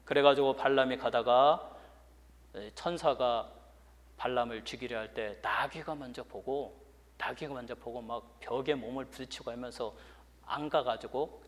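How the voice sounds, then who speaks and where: A man's voice: medium pitch, fairly even intonation, moderate pace. A man preaching a sermon to his congregation, emphatic and leading them in reading scripture aloud. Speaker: pastor. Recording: long hall reverb.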